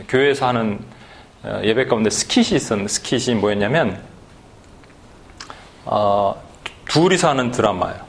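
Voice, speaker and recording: A man preaching a sermon as pastor, telling a story with lively acted-out bits, in a church. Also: medium pitch. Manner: animated storytelling, acts out voices, then leads sung worship. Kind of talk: sermon with acted skit retelling. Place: church sanctuary.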